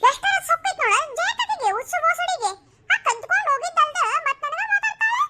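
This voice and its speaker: A voice actor doing Kusmi, a shrill, indignant cartoon village woman. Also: fairly even intonation, moderate pace, sharp tone, soft background music, full character voice. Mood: scolding. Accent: North Karnataka Kannada. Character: shrill village woman whose sandals were stolen.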